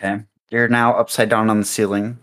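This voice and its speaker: A man's voice: lowish voice, level tone, fairly quick, a bit bright. A man narrating as game master in an improvised tabletop game, rambling with many ums and likes over a voice call.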